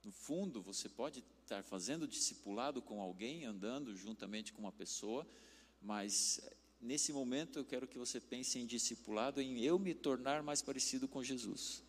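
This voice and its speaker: A man's voice: medium pitch, normal speed. A man from southern Brazil with a German accent in his Portuguese, preaching conversationally as a pastor. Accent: German-influenced Brazilian Portuguese. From Curitiba, southern Brazil. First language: German as first language of literacy. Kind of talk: conversational sermon with anecdotes. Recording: reverberant hall sound.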